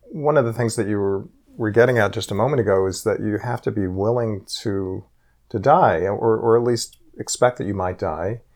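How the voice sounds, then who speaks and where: A man with an unremarkable speaking voice of medium pitch talks at a moderate pace with ordinary pitch variation. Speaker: community radio host. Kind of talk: interview. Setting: studio.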